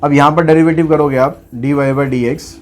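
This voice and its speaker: A man's voice: a little high, steady tone, a little fast, faint music behind. A man teaching a maths lesson, working through problems step by step and asking and answering his own questions. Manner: explains steps aloud, asks and answers his own questions.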